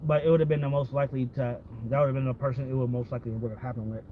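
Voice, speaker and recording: Casual American male vlogger, candid and profane, mid-pitched, slightly noisy lo-fi recording. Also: little pitch movement, very fast. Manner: candid, profane, repeats himself. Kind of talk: casual rambling chat. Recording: dull lo-fi audio with background vehicle noise.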